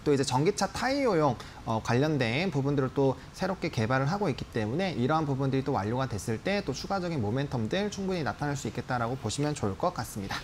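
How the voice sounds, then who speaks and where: This man's mid-range voice swings widely in pitch as he rattles through his points quickly, barely pausing. He's a TV stock analyst in his thirties, giving live, courteous, formal commentary in a studio over a lapel mic, with light background noise.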